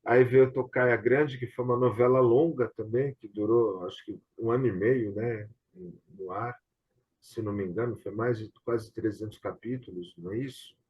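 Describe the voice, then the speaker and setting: A Brazilian man hosts a relaxed remote video chat about theatre and television, speaking hesitantly and often checking for confirmation. His voice is mid-range and husky with a steady tone and moderate pace, and the sound is phone-quality.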